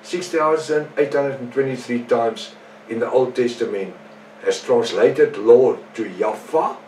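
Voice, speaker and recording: A man's voice: medium pitch, dark tone. A man giving a bible teaching talk who reads verses aloud, spells words out letter by letter and repeats himself earnestly. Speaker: preacher and teacher. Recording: roomy sound from a distant mic with faint background noise.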